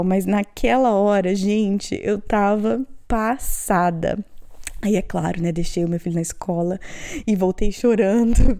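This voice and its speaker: Mellow-voiced woman hosting a podcast. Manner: animated, acts out her children's voices in high pitch. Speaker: podcast host. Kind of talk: storytelling monologue.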